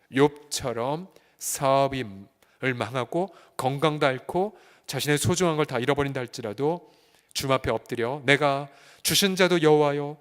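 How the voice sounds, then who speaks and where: A male pastor preaching a sermon with fervor, swinging between soft, quiet stretches and loud, rising appeals. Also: medium pitch, long reverb tail. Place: church sanctuary.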